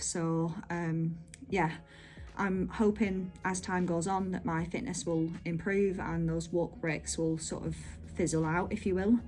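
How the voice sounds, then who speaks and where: Lower-pitched woman vlogging casually. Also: darkish tone. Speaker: running vlogger. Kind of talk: casual chatty vlog update to camera.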